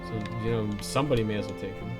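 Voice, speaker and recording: Casual man streaming over loud music. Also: lowish voice, fairly even intonation, racing. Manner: informal, sweary. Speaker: game livestreamer. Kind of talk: casual chat while playing a game. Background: game music.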